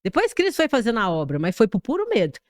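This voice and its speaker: Brazilian woman pastor, guest testimony, somewhat high voice, dry studio sound. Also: fast talker, no room sound. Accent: Brazilian Portuguese. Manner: vivid, animated storytelling with sound effects. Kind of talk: dramatic personal testimony. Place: podcast studio.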